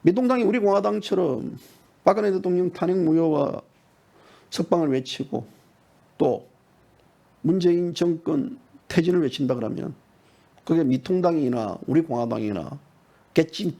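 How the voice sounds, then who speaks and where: Middle-aged man, partisan political commentary, gravelly husky voice, high lively pitch, mocking and heated. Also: moderate pace. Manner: heated, mocking, swings from low mutter to sudden high shouts.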